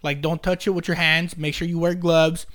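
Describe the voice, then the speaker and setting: Guy with a high voice, teasing his brothers, telling stories on a podcast. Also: level tone, normal speed, fairly bright tone. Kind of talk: casual chat.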